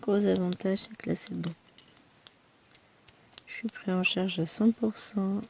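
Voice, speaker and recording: A woman vlogger with a hoarse voice from a throat infection, chatting to her viewers in a rambling, tired, self-deprecating way. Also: medium pitch, steady tone, a little slow, a little mellow, a little hiss or hum. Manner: speaks tired and worn out. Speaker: crafting vlogger. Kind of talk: chatty personal update to viewers.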